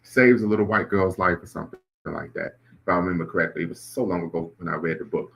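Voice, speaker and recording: A man's voice: low-pitched, steady tone, fast talker, creaky, fairly bright tone, breathy edge. A man hosting a live stream, reacting to clips and chat comments in a conversational way. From Ohio, US. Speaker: host.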